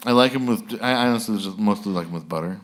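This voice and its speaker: A man's voice: lowish voice, fast talker. A man hosting a live interview, easygoing and dry in his joking. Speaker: host.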